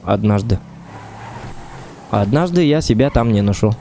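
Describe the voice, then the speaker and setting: Streaming an online role-play game, a man chats in a relaxed, playful, improvised way, posing questions and saying things more than once. His voice is fairly low, expressive, unhurried and mellow with vocal fry. Slight background noise can be heard.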